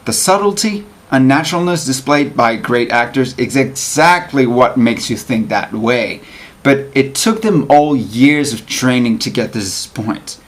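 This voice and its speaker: A man reading an essay aloud as an actor would, with lively, emphatic and deliberate phrasing. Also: medium pitch. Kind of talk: expressive read-aloud of an essay.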